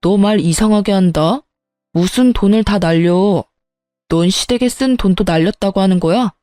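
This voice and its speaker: A woman's voice: mid-range voice, moderate pace, dark tone, dry recording, studio quality, soft background music, lightly acted. A woman reading the lines of an arrogant, belittling husband in a spoken story. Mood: scornful. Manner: smug and belittling. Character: arrogant, dismissive married man. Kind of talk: storytelling with voiced dialogue.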